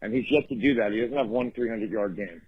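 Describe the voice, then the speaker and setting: Guy, voicemail caller, husky voice, halting and restarting, dull lo-fi phone sound. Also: lowish voice. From Long Island, New York. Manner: hesitant, halting with repeated restarts.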